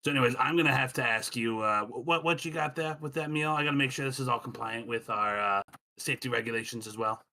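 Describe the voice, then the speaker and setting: A man's voice: mid-range voice, fast, sharp tone. A man playing a brusque, condescending male safety inspector who blusters and talks down, with frequent ums. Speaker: player. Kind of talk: tabletop game role-play.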